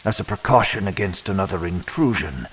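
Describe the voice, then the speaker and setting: An actor playing a composed, evasive keeper of a mysterious prison manor, formal and guarded, in an audio drama. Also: male voice, low-pitched, expressive, fairly quick, fairly bright tone, a little hiss or hum. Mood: diplomatic.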